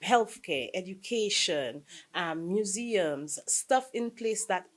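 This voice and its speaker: A woman's voice: medium pitch, animated, slow. A woman from Saint Lucia speaking as a guest on a morning show, earnest and emphatic about her cause. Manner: earnest, emphatic, rising to passionate points. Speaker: reparations advocate guest.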